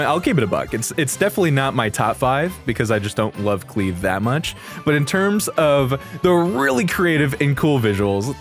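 A man giving casual, slangy, excited reaction commentary on video game trailers, full of exclamations. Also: medium pitch. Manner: slangy, exclamatory, gushing fan talk. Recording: game music behind the voice.

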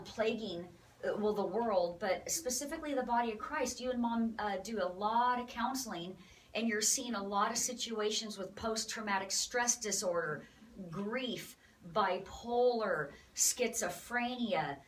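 A woman hosting a Christian ministry broadcast, excited and upbeat with a preachy lilt. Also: medium pitch, far from the mic, a little hiss or hum, rough recording. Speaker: ministry host.

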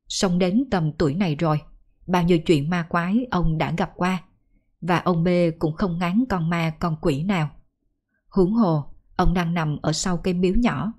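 A woman storyteller narrating a folk ghost story in a measured, even way. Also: fairly low pitch.

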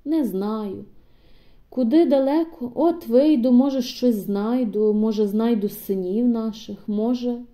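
A woman reading an audiobook voices an old peasant man bidding his wife a quiet, halting farewell. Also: on the high side, lightly acted. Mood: weary, tender. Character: old peasant man, weary and tender husband.

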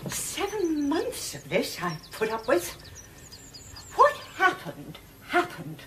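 A woman's voice: sits high, wildly swooping pitch, slow, fairly bright tone, full character voice. A middle-aged actress playing a long-suffering wife who scolds her husband with exasperated sarcasm in a sitcom. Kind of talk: sitcom acting. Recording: noisy old TV broadcast audio.

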